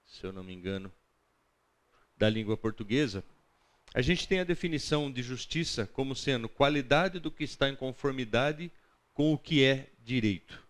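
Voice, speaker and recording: Brazilian man teaching a class. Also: mid-range voice. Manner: didactic, asks the class questions. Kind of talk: conversational lecture to a class.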